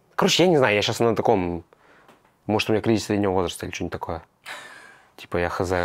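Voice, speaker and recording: Talking at a very fast pace, a man breaks his speech with long, frequent pauses. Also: fairly low pitch for a man, ordinary pitch variation. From Russia, Kaliningrad. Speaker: music YouTuber. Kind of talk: casual chat.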